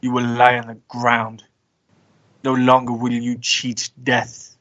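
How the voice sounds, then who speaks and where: A man's voice: mid-range voice, completely flat delivery, takes it slowly, a bit bright, muffled recording. A man playing a tabletop roleplaying game, moving between table talk and in-character speech.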